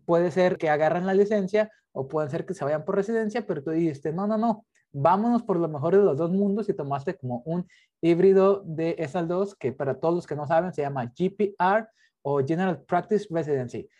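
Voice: medium pitch, normal speed, warm tone. A podcast host talking in a friendly, teasing, chatty way while interviewing a guest over a video call. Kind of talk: casual interview chat. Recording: slightly dull, lo-fi audio.

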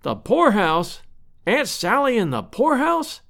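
A man's voice: sits high, very animated, normal speed, pitched above the performer's own voice. A man voicing a plain-spoken, good-hearted country fellow home from out west, earnest and folksy, in a storybook. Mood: shocked. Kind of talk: storybook character voice.

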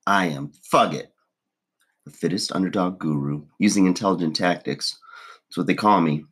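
Man, very low and husky, froggy just-woke-up voice, rambling vlog advice. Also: normal speed, fairly bright tone. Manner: rambling, many fillers and restarts. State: froggy morning voice. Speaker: vlogger giving relationship advice. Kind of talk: casual talking-to-camera monologue.

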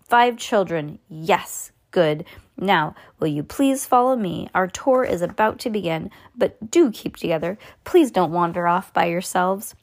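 A woman voicing an exuberant, fussily polite, eccentric little man who owns a chocolate factory, with effusive exclamations, as in a storybook reading. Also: lively intonation. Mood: excited, gushing. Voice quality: high and fluty. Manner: effusive, quick-fire exclamations and pleasantries.

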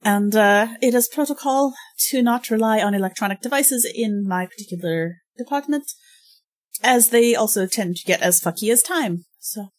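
A woman's voice: a little high, moderate pace, lightly acted. A woman voicing a stiff older female government agent with a slipping French accent, formal and hesitant in a tabletop game. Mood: prim. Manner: formal and prim, with hesitant uh's. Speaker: player. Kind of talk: in-character tabletop roleplay.

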